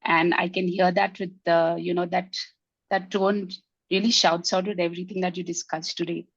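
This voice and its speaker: Hoarse woman speaking on a video call. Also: fairly low pitch, flat delivery, moderate pace, dry recording. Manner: grateful, reflective, with many fillers. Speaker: meeting participant. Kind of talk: casual online meeting chat. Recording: slightly dull call audio.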